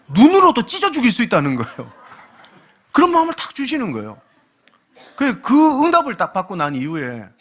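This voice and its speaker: A man in his late forties, a guest pastor delivering a sermon with humorous, animated storytelling. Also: fairly high pitch, breathy edge. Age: late 40s. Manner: animated, humorous storytelling that acts out quoted dialogue.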